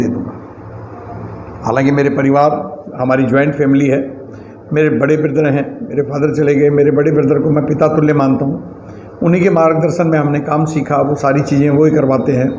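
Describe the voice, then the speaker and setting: This man's fairly high-pitched voice moves at a moderate pace with very even loudness, with audible room echo and noticeable background noise. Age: 60s. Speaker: businessman and politician. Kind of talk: interview.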